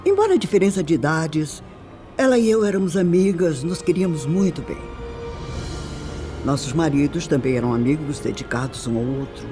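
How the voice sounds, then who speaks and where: An actress playing a refined, sorrowful older mother in a radio drama, with a Brazilian accent and solemn, deliberate, formal phrasing. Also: low voice. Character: older upper-class widowed mother, grave, sorrowful, refined. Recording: music under the voice. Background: background music.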